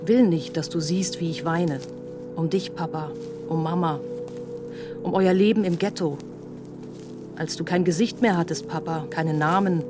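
Actress as sorrowful bitter daughter of survivors, lowish voice, grave broken phrases, radio drama w music behind. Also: female voice, close to an everyday voice. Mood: grieving. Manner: fragmented short phrases, grave delivery. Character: grieving adult child of Holocaust survivors, sorrowful and bitter. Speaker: radio play performer. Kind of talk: literary radio drama monologue.

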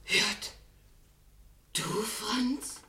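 An actress playing a frightened, indignant working-class wife with a Berlin accent in a radio play. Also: female voice, fairly high pitch, flat delivery, very slow, bright, forceful tone, heavily acted. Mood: wary, alarmed. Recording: roomy echo with background noise.

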